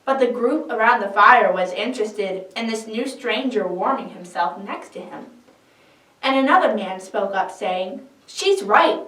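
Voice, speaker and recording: A woman reading a scripted dramatic scripture narration as an expressive storyteller. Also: medium pitch, moderate pace. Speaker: dramatic reader. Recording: echoey room, distant microphone.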